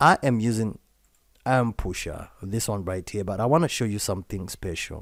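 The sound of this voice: Over a silent background in a very clean recording, a man with a fairly low pitch and some vocal fry talks with lively intonation. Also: moderate pace.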